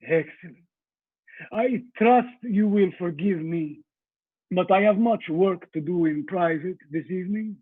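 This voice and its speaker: An actor playing a courtly, menacing vampire count in a radio play, formal, commanding and deliberate. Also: male voice, high voice, breathy edge, no echo. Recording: thin, phone-like voice recording.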